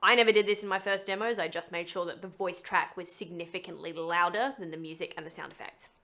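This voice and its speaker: A woman hosting a voice-over tutorial, explaining things to viewers in a chatty, expressive, emphatic way. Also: lowish voice, fast talker.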